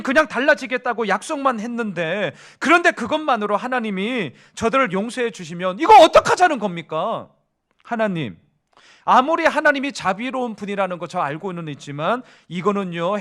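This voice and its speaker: A man's voice: high-pitched, very animated, a little fast, fairly bright tone, voice pushed up. A pastor voicing an indignant male prophet who argues and complains to God in a whiny, petulant way, recorded in a church.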